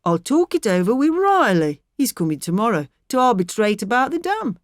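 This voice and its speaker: A woman's voice: a little high, sing-song, normal speed, dry recording, studio quality, pitched above the performer's own voice. A woman voicing a stubborn, blustering middle-aged miller with a rural English accent, in emphatic, ruminating dialect, for an audiobook. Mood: pondering, stubborn.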